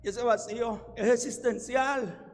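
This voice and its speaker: An older man with a Colombian accent preaching a sermon as pastor, folksy and anecdotal, breaking into shouts at times. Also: very high-pitched, fairly even intonation, a little slow, long reverb tail. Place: church.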